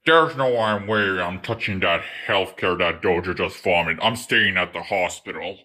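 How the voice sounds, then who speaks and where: Man as a stubborn, forceful cartoon character. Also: sits low, unhurried. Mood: defensive. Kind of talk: fan parody cartoon dub.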